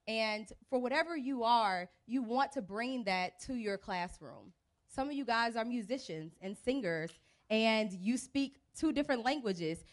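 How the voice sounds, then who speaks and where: With a fairly bright, somewhat high voice, this young American woman addresses a live audience in a casual, chatty, colloquial way as a teacher coach. She's from Birmingham, Alabama and Cleveland, Ohio, and speaks into a handheld mic routed through PA speakers beneath a large outdoor event tent.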